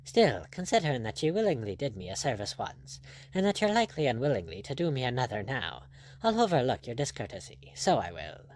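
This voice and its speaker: Casting: male narrator as bold buccaneer, ironic, courtly, wistful edge, animated storybook delivery. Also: medium pitch, brisk, natural voice. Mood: wry, cool. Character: gallant Irish pirate captain, bold, ironic, wistful.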